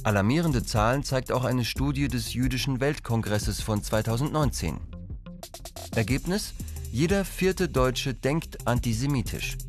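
A man of middle pitch narrates in a measured, serious tone, as in a documentary voice-over. Music plays clearly beneath his voice.

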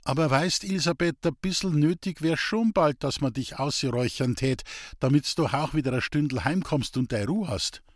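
A man's voice: fairly high pitch, moderate pace, hardly any pauses, dry recording, clean studio sound, natural voice. A man voicing a sturdy young forest worker who talks brusquely and firmly. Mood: awkward. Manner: brusque, firm, awkwardly cheerful.

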